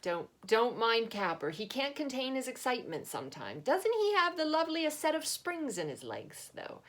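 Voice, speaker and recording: A woman voicing a gentle, chatty old man who is an organ grinder, speaking softly with an English accent. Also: fairly high pitch, wildly swooping pitch, moderate pace, voice pushed up. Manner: soft, chatty, giggly. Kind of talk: storybook character reading.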